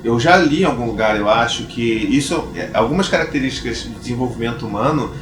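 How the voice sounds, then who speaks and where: A man's voice: mid-range voice, lively intonation, a little fast, reverberant, over music, rough recording. A Brazilian man hosting a parenting podcast, asking hesitant, self-deprecating questions. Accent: Brazilian Portuguese. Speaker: podcast host. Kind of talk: conversational podcast interview.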